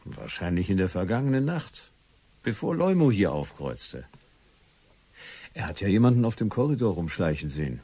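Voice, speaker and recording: An actor playing a shrewd, skeptical investigator who probes drily and in measured phrases in a German radio crime drama. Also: male voice, sits low, sing-song, mellow, slightly rough, exaggerated voice. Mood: sober.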